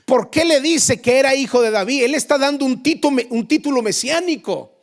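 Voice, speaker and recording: A middle-aged male pastor preaching a fervent sermon, often rising to shouts. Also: very high-pitched.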